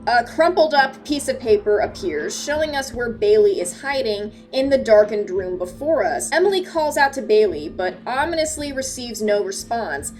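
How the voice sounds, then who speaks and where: A woman's voice: fairly high pitch, animated, moderate pace, hardly any pauses, darkish tone. A woman giving casual, joking video-essay commentary with a sarcastic, slangy delivery and mock-dramatic asides. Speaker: host of an analog horror analysis video. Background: background music.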